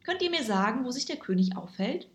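Young girl, curious, brave, friendly, a touch higher, woman reading her, roomy echo. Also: big pitch swings, fairly quick. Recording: echoey room.

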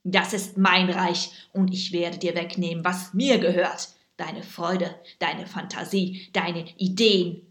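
A woman's voice: fairly low pitch, little pitch movement, slow pace, few pauses, a bit bright. A woman reading a storybook aloud, voicing a small grey male tyrant who bellows in rage. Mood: raging. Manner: bellowing, raging. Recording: echoey room.

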